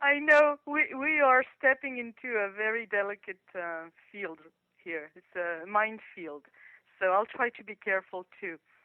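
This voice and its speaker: A woman speaks in a French accent with very wide pitch swings. Her loudness rises and falls in big swings. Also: fairly high pitch for a woman, moderate pace. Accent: foreign, French. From France, also raised in Peru and Venezuela. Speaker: intercultural communication consultant. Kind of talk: podcast interview. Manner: halting, many fillers.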